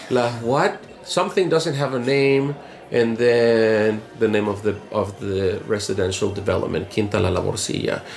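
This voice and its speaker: With a Spanish accent and lively intonation, a man speaks at a moderate pace amid audible room echo and noticeable background noise. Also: medium pitch for a man. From Mexico. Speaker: musician and designer. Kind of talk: casual chat.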